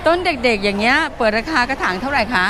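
A woman's voice: a little high, lively intonation, quick pace. A woman hosting a casual walk-around market vlog, chatting with vendors, exclaiming often and repeating their answers for viewers. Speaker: host of a plant market walk-around video. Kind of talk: casual on-location vlog commentary and vendor chat. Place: outdoor plant market. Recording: busy outdoor market crowd and street noise.

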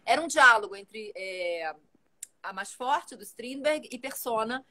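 Lively chatty actress on a video call. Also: female voice, on the high side, a little slow. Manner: animated, talkative, gestures while speaking. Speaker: actress, guest. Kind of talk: casual live video chat. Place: home room with plants and shelves.

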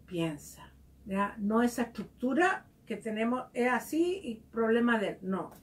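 A woman's voice: fairly high pitch, sing-song, measured pace. A woman giving a devotional reflection, speaking conversationally and asking her listeners direct questions. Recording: voice heard from a distance.

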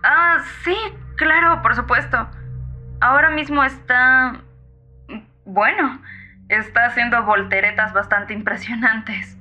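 A woman's voice: fairly high pitch, takes it slowly, pushed and bright, exaggerated voice. A young woman playing a nervous, chatty emergency caller in an audio horror drama, hesitant and rambling. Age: young adult. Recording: muffled lo-fi phone-call sound over music.

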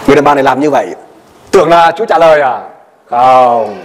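A male pastor preaching a sermon and telling a personal story with animated delivery, his voice often jumping high for emphasis. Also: fast, slight background noise. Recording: long hall reverb.

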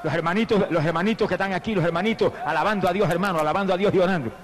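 A male evangelist preaching a fervent sermon with an altar call, swinging from hushed tones to loud exclamations. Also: high voice, very fast.

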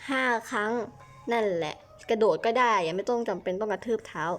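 A woman's voice: medium pitch, brisk, soft background music, lightly acted. A woman voicing a kindly shopkeeper in a game role-play, explaining things patiently and trailing off while she searches for words. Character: kindly snack shopkeeper, gentle and helpful.

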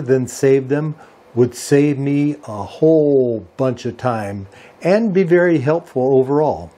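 Male, 60s, mid-range voice, very slow measured pace, talking viewers through a tutorial. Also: mid-range voice, mellow. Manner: measured, step-by-step explaining. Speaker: host of a ham radio channel. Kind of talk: software tutorial and review talk to camera. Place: small indoor home radio workshop.

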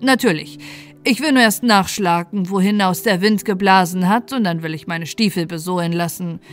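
A woman's voice: fairly low pitch, moderate pace, soft background music, natural voice. A woman voicing a self-important, pompous village policeman in a fairy tale.

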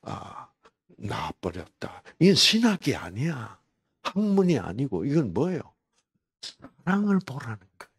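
A man's voice: fairly high pitch, creaky, slightly rough. A man giving a conversational Bible lecture at a health program. He poses rhetorical questions and addresses listeners by name.

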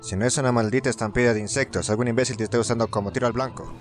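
A man's voice: mid-range voice, fairly even intonation, rapid-fire, soft background music, close to an everyday voice. A man with a Latin American Spanish accent playing a tough, cynical black-market seller in a game dub, coarse and dismissive. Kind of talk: video game fan-dub acting.

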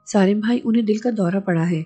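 A woman's voice: medium pitch, fast, dark tone, slightly rough, faint music behind, natural voice. A woman voicing an anxious younger brother on a phone call, with pleading, earnest delivery.

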